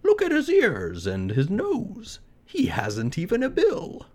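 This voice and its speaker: A know-it-all woodpecker in a storybook, high and dismissive, drawing out words. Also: male voice, huge pitch swings, slow, exaggerated voice.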